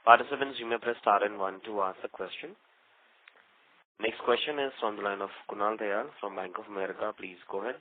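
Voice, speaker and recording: A man's voice: on the low side, fairly even intonation, a little fast. A man moderating a conference call as operator, polite and scripted. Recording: narrow phone-line audio.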